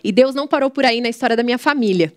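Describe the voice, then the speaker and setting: A woman's voice: a little high, rapid-fire, no room sound. Woman telling her story in an interview, earnest, lots of "né", dry close sound. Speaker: missionary guest. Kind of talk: personal testimony in an interview.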